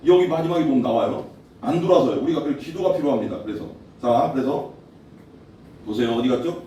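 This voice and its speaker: A man's voice: medium pitch, animated, a little fast, dark tone, slight background noise. A man preaching a sermon as pastor, talking conversationally and putting questions to his congregation. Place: church hall. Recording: echoey hall, voice from far off.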